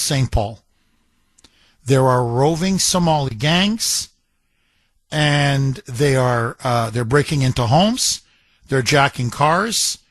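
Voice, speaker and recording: A man's voice: a little high, fairly bright tone, dry recording. A man hosting a call-in radio show, talking in a combative, emphatic and scornful way. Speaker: radio talk show host. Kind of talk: talk radio monologue and call-in.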